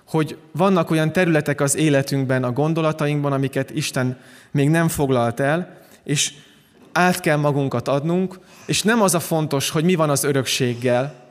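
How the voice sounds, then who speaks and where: A man delivering a sermon as pastor, calm and earnest, often restarting his phrases. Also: a little high, big-room sound.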